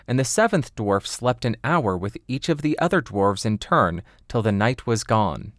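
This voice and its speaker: A man's voice: mid-range voice, lively intonation, moderate pace, fairly bright tone, no echo. Man narrating a fairy tale, close dry sound. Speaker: audiobook narrator.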